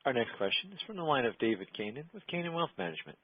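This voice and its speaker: A man reads scripted operator announcements quickly, with lively swings in pitch. The line is dull with faint noise behind him. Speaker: conference call operator.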